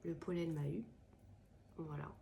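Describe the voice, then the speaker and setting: A woman's voice: low-pitched, fairly even intonation, measured pace, gravelly, mellow, slight background noise. A woman with a head cold giving casual spoken advice to her viewers, hesitant with many fillers and restarts. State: has a head cold, stuffy voice. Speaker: tarot and crystal channel host. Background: washing machine running.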